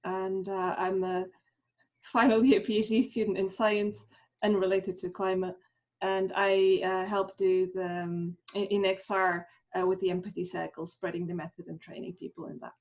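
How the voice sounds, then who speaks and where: A woman from Portugal speaks softly with a mid-range voice and pauses here and there to find her words. Her audio sounds slightly dull, as if it is coming through a video call. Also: medium pitch, level tone. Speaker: PhD student and participant.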